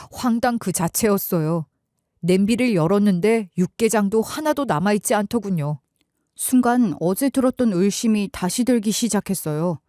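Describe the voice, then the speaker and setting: Calm woman narrating a story. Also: mid-range voice, dry recording, clean studio sound. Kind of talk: scripted first-person story narration.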